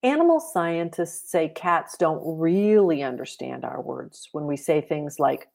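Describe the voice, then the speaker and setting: A woman voicing a patient, loving mother in a children's storybook, gently teaching in a measured way. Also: low-pitched, expressive, vocal fry, full character voice. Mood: gentle, patient. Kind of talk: children's storybook read-aloud.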